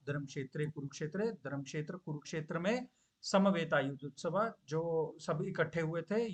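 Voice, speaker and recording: Patient high-voiced man teaching a class. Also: fairly bright tone. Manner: patient explaining, mixes Hindi with English phrases; frequent drawn-out hesitation sounds. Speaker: Gita teacher. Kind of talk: online class lesson.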